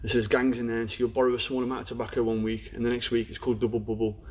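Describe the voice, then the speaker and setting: A young man with a Black Country accent tells his own story in an interview, frank and plain-spoken. He talks fast, rattling through the telling. His pitch sits at an ordinary middle height for a man. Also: little pitch movement, a little mellow. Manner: frank, storytelling, peppered with "you know". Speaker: interview guest. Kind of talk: candid personal story in a podcast interview.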